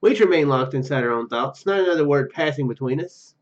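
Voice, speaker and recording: A man doing a let's play, reading story text aloud haltingly and dropping in casual asides. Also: fairly high pitch, animated, dull audio. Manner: halting, stumbles over read words. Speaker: gaming YouTuber.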